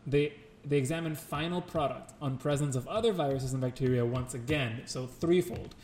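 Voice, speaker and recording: A man's voice: mid-range voice, moderate pace, darkish tone. A man in casual comedic chat, dry and teasing in his delivery. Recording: roomy echo with faint noise.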